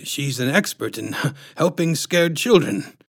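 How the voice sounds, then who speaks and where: A man's voice: on the high side, animated, measured pace, breathy edge, no room sound, clean studio sound, voice pushed up, heavily acted. Man acting a nervous, placating storybook father. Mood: nervous, reassuring. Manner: polite, placating. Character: Italian husband and father, nervous, placating chef.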